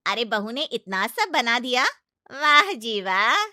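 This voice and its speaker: A loud, sharp-tongued aunt-in-law in a family story, pitched high and bright, as a woman narrator puts her on. She nags and taunts in a shrill, carrying voice. The sound is dry and close. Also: sing-song, slow pace, dry recording, full character voice. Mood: scolding.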